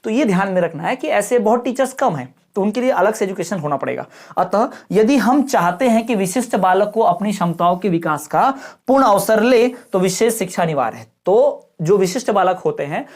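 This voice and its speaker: A male teacher giving an exam-prep lecture. He explains textbook points in plain talk, tags his lines with quick check-ins, and slows down to stress key terms. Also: sits high, lively intonation, a little mellow.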